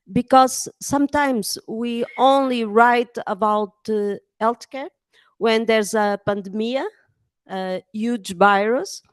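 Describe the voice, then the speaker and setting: A Portuguese-accented woman speaking English as a second language, a journalist giving a halting conference talk full of fillers. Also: medium pitch, clear, resonant tone, dry recording. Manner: hesitant, many pauses and fillers. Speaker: journalist and editor.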